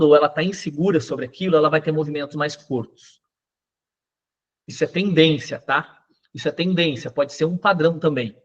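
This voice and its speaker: A man teaching a class on body language, explaining step by step with lists of examples and quick checks with his listeners. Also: a little high, lo-fi sound. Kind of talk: recorded class lecture.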